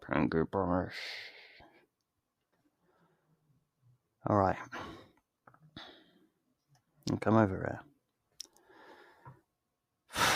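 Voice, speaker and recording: A man acts out a wistful, tender best friend in an intimate ASMR roleplay. The voice is low and gravelly, and the words come slowly and earnestly, with soft pauses. It is recorded very dry and close to the mic. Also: dry recording. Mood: gentle, intimate. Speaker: ASMR voice actor. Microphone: close studio mic, dry.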